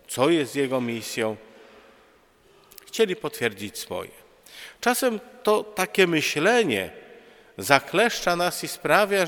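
A man, a religious brother, preaching a sermon in a conversational, storytelling way with pauses and fillers. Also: mid-range voice, fairly bright tone, in a large hall. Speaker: priest or friar preaching.

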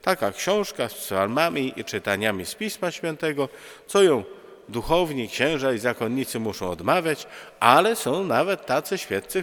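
A man, a religious brother, preaching a sermon in a conversational, storytelling way with pauses and fillers. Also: medium pitch, fairly bright tone, long reverb tail. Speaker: priest or friar preaching.

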